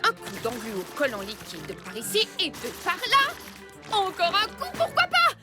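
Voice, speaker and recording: A woman's voice: extremely high pitch, measured pace, loud music behind the voice, heavily acted. A woman voicing an eager, zany female robot with gushing, theatrical delivery in a French cartoon. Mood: gleeful. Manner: gushing, theatrical, over-excited.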